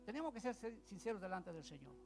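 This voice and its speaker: A man preaching a sermon, telling a story with loud bursts and then dropping to hushed asides. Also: high-pitched, sing-song, fast talker, vocal fry, faint music behind.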